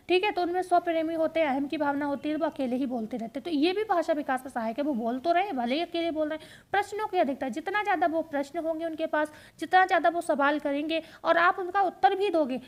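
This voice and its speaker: A woman teaching an exam-prep lesson, explaining step by step and repeating key points as quick questions and answers. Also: high-pitched.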